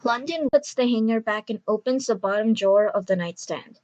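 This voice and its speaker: A woman's voice: on the high side, a little fast, darkish tone, muffled recording. A woman reading scripted story narration for an audio drama.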